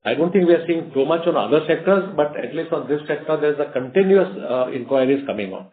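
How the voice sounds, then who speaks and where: A man's voice: fairly high pitch, expressive, fast. A man with an Indian accent speaks as a company executive on an earnings call. His delivery is unscripted and explanatory, with repeated phrases. The sound is a narrow, muffled conference phone line. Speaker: company executive answering investor questions.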